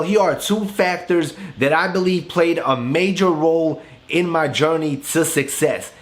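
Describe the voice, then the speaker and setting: Earnest young man, slightly high voice. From Bosnia. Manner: earnest, emphatic, slows down to stress points. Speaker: finance YouTube host. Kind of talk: scripted motivational monologue.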